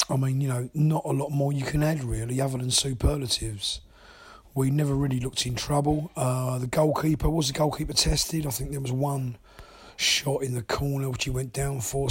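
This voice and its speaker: A man enthusiastically leaving a voice message as a caller to a fan show, pausing with frequent ums. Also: medium pitch, breathy edge. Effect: recorded voice message. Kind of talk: casual fan phone-in.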